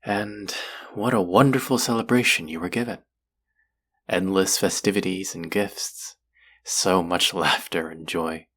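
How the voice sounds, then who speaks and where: A man playing a courtly, possessive demon in a roleplay audio drama, speaking formally and deliberately in a husky, gravelly voice. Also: sits low, fairly even intonation, a bit bright, heavily acted. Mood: gentle, consoling. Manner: formal, slow, deliberate, coaxing. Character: possessive, courtly male demon who hungers for hearts. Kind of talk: scripted roleplay audio drama addressed to the listener.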